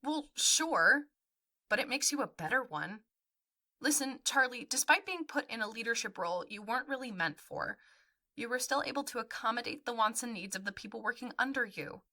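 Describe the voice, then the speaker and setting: A woman's voice: on the high side, lively intonation, moderate pace, sharp tone, full character voice. An actress playing a supportive, frank young woman in naturalistic audio drama dialogue. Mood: encouraging.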